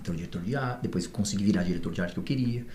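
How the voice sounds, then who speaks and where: A man's voice: deep voice, rapid-fire, warm tone. Podcast guest, man, slangy and profane storyteller, roomy echoey sound. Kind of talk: casual storytelling interview. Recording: roomy echo, faint noise.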